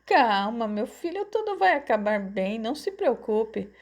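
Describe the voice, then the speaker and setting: A woman's voice: sits high, huge pitch swings, moderate pace, darkish tone, pitched above the performer's own voice, exaggerated voice. A woman voicing a frightened, doting older mother in an audiobook story, anxious and motherly. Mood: soothing.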